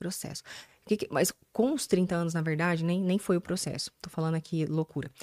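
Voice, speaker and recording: In a normal speaking voice, a woman talks at a moderate pace and a fairly low pitch with ordinary pitch variation. The sound is dry and close, with no echo. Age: 40s. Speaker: psychoanalyst, weight-loss specialist. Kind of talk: casual interview.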